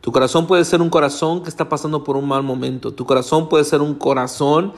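A man's voice: on the high side, steady tone, brisk. A Hispanic man, a pastor, preaching an earnest sermon straight to his congregation. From Latin America. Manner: earnest, direct address to congregation.

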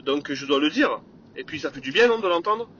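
A man's voice: on the high side, expressive, brisk, sharp tone, muffled recording, a little hiss or hum. A man hosting his own podcast, talking energetically in a casual solo monologue, with lots of fillers and bits of English sales jargon. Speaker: podcast host.

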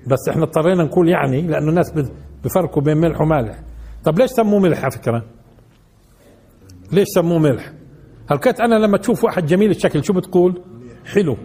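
A man's voice: on the high side, fast, pauses often, mellow, husky. A man teaching a class, asking his listeners questions and repeating key words. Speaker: sheikh teaching Quran commentary. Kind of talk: classroom lesson in colloquial Arabic.

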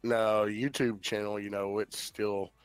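A man's voice: on the low side, level tone, measured pace, clean tone, no room sound, soft background music. A man in his thirties with a stuffy head cold, chatting casually and swearing easily on a voice call. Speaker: podcast host. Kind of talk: casual chat.

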